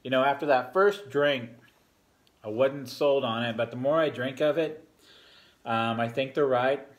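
A man's voice: medium pitch, a little slow. Rambling middle-aged man reviewing beer. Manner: relaxed, rambling, many fillers. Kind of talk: casual beer review vlog. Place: home bar room, indoors. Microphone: fixed camera at a table.

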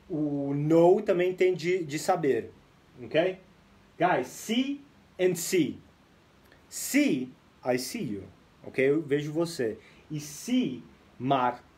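A young man from Brazil teaching English on a live stream, lively, mixing English phrases into his explanations. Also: on the high side.

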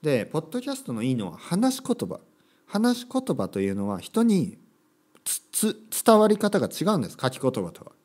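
A man's voice: a little high, huge pitch swings, a little fast, a little mellow. A man from Kyushu hosting a casual solo podcast for learners, chatty and given to repeating phrases and acting out little dialogues. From Kyushu, Japan. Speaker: podcast host teaching Japanese.

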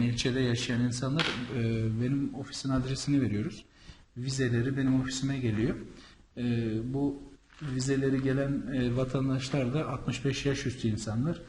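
A man's voice: medium pitch, a little mellow, slight background noise. A man working as a visa and travel consultant, talking in a casual, rambling vlog monologue with many fillers from Anatolia.

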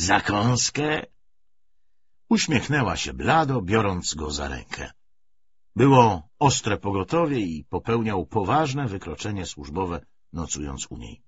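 A man narrating a literary audiobook in an expressive, scripted reading style. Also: low voice, a little slow, highs cut off, a little hiss or hum.

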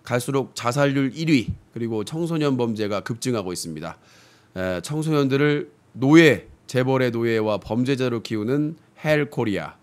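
A man's voice: medium pitch, expressive, moderate pace. A man in his thirties with a sore throat, hosting a satirical live stream in a blunt, filler-heavy rant. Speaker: streaming news-comedy host. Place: small room with fish tank, indoors. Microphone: desk mic on stand, webcam framing.

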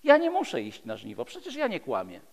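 A fifty-something preacher from Poland delivers a sermon in a mid-range voice that swoops wildly in pitch, brisk and with vocal fry. He is emphatic and rhetorical, repeating phrases and shifting from loud to hushed. He speaks from the pulpit of a big church hall, and the recording carries long, echoing reverb.

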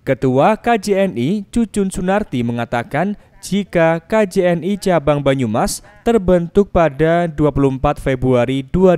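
Male news reporter, smooth clean voice pitched a bit high, scripted narration. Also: darkish tone.

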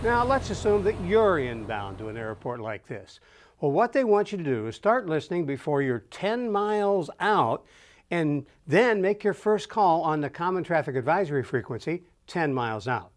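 A middle-aged American man gives an instructional presentation. His voice is a little high and moves up and down in a lively way. He phrases things emphatically, like a teacher demonstrating each call. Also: moderate pace. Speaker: flight instructor.

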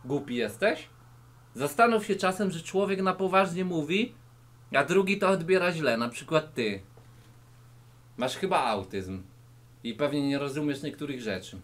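A man giving a comedic mock martial-arts lesson to camera, mock-serious and lecturing the viewer directly, swinging between loud and quiet delivery, in a low-ceilinged indoor room. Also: lively intonation, normal speed, pauses often. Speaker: YouTuber.

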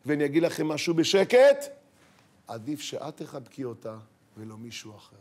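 A man lecturing parents as a rabbi, dramatic, acting out scolding voices and swinging from loud to hushed. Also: a little high, sing-song, a little hiss or hum. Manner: dramatic, acts out scolding parents and teens, shifts from shouting to hushed. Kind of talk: sermon.

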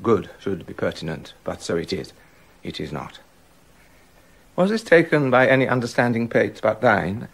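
A jealous king in a radio play: gravelly, brooding, bitter asides breaking into accusation. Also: lowish voice, big pitch swings, normal speed, full character voice. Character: jealous brooding king, middle-aged man. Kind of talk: radio drama acting.

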